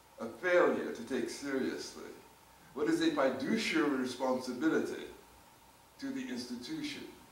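A man talks at a moderate pace. Audible room echo and light background noise surround his voice. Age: old. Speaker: professor. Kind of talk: lecture. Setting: stage with audience. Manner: formal. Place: hall. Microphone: podium.

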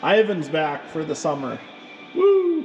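The speech moves at a fairly slow pace. Light background noise is present. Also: man. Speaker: farmer vlogger. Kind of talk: casual vlog chat. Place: workshop. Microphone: phone near.

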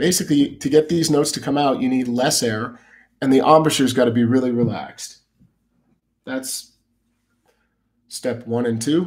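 Using a put-on character voice, a man speaks in a raspy, medium-pitched tone. He keeps a moderate pace with long, frequent pauses. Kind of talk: casual, instructional.

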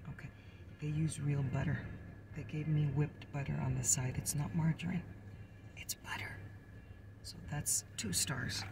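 A woman with a very deep, low voice speaks at a moderate pace with ordinary pitch variation. Long pauses come often, and background noise is noticeable. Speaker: food vlogger. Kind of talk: casual vlog chat. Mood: cheerful, chatty. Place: car. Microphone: phone near.

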